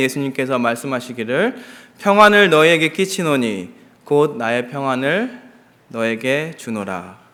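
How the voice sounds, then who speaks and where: In a bright, sharp tone, a man talks at a fairly slow pace with very wide pitch swings. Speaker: pastor. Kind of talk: sermon. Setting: church.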